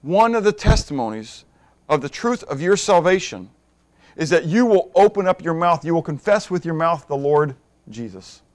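A middle-aged male pastor preaching a sermon in a lively, high-pitched voice. He talks to the congregation like a conversation, full of rhetorical questions. He drops to hushed asides, then builds to emphatic points. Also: normal speed.

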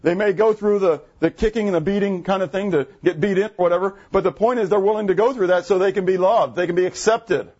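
A man preaching a sermon to his congregation, animated, asking the room questions, with jumps in pitch when he gets excited. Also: fast talker, hardly any pauses, husky, lo-fi sound. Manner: jumpy pitch, bursts high when excited. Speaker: pastor. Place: church assembly room.

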